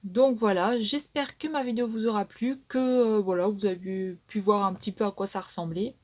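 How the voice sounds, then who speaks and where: A woman talks casually through her makeup palettes in a home beauty vlog. Her speech is chatty and hesitant, with frequent fillers and trailing tag words. Her voice sits at an ordinary middle pitch for a woman. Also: fairly even intonation, normal speed, a little mellow. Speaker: beauty vlogger.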